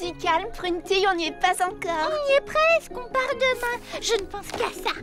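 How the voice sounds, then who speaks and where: A bubbly little cartoon girl with a very high voice. She is sweet, polite and easily excited, and music plays underneath her. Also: moderate pace. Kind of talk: French cartoon dub for children.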